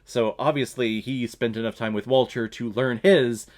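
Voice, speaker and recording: A man's voice: medium pitch, fairly even intonation, normal speed. A young man talks straight to his viewers about a film he just watched. His voice sits in a middle register, and his take is blunt and sarcastic. He curses now and then and talks like he is chatting with friends. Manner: blunt and sarcastic, laughs and swears at characters. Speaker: movie review channel host. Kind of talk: casual movie review monologue.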